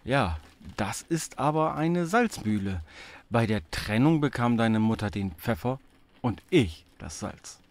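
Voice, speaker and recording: Awkward middle-aged father, played by a man, very animated. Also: mid-range voice, measured pace. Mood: awkward, casual. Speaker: voice actor in an audio drama. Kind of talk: naturalistic German radio drama acting.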